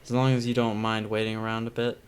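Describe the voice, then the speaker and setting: A man's voice: fairly low pitch, little pitch movement, fast talker, a little hiss or hum, lightly acted. A man playing an obliging hospital front-desk assistant in a fiction podcast.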